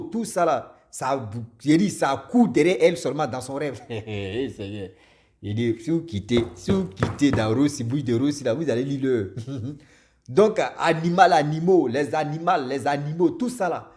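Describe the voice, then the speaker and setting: A man telling a story in a casual, animated way, often laughing and repeating words. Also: medium pitch. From Martinique and Ivory Coast parents.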